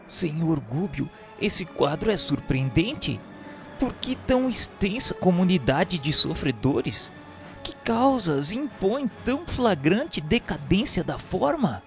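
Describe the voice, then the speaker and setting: A Brazilian man voicing an earnest, awed spirit disciple who narrates a radio drama in solemn, measured, literary phrases. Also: high voice, very animated, full character voice. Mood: troubled, questioning. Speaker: narrator and protagonist. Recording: echoey hall reverb under prominent music.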